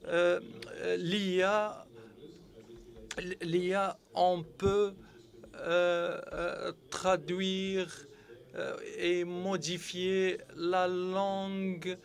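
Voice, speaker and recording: A man giving a halting conference presentation, very hesitant, with constant hesitations and restarted words. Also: sits high, a bit bright. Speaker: conference speaker.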